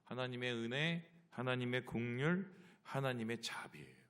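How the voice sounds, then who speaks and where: A man's voice: mid-range voice, normal speed, a bit bright. A male pastor preaching a sermon, asking the congregation rhetorical questions.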